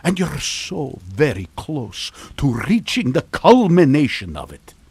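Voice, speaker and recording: A man playing a dry, unflappable older mad scientist in a comic radio drama, deadpan and theatrical. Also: mid-range voice, measured pace, vocal fry, slightly rough, exaggerated voice. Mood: persuasive. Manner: deadpan, theatrical, swinging into urgency.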